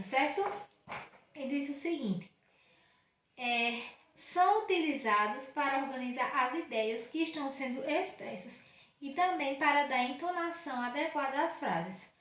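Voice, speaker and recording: A Brazilian woman teaching a remote lesson to children, speaking warmly and often checking in with the class. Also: high voice, a little hiss or hum. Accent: Brazilian Portuguese. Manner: warm teacher talk, checks in with "certo?" often. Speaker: primary school teacher. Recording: roomy echo, distant from mic.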